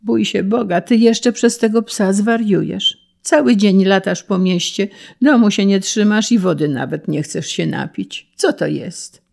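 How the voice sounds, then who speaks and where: A fretful wife scolds her husband, as a reader puts her on. The voice is pitched a bit above the narration, slow and gravelly. This is a storybook reading. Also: darkish tone. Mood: worried.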